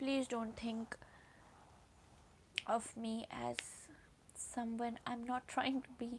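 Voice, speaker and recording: A woman with an Indian accent speaks at a very slow pace in a fairly high pitch. Her intonation is monotone and flat, with long, frequent pauses. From India, Delhi. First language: Hindi. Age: 20s. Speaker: book YouTuber and teacher. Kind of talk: casual live-stream chat.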